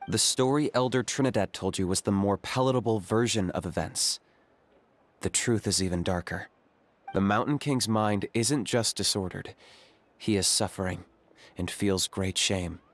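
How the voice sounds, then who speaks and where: A man playing a calm, practical young tribal hunter in a video game, with a dry, matter-of-fact delivery. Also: fairly low pitch, normal speed. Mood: grave, measured. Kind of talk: video game character acting. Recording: game music behind the voice.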